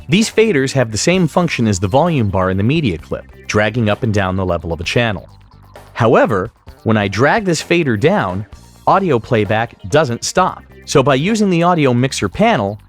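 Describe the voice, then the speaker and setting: Male tutorial narrator, explanatory, step-by-step, animated intonation, music in the background. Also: mid-range voice. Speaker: software tutorial instructor. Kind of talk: instructional screen-capture narration.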